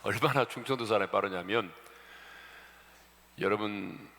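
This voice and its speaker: A man's voice: on the low side, measured pace, a bit bright. A man preaching a sermon as a pastor, often calling out to the congregation and joking between points. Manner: addresses congregation often, jokes about regional dialects. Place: church sanctuary. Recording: long church reverb.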